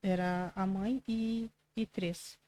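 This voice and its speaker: A Brazilian woman tells her faith testimony as a podcast guest, her voice warm and mellow with a middle pitch. She speaks earnestly and conversationally, often tagging her phrases and acting out the dialogue she recounts. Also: steady tone, takes it slowly, low-quality recording. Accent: Brazilian Portuguese. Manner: earnest storytelling, frequent "né" tags, acts out quoted dialogue. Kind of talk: religious testimony in casual conversation.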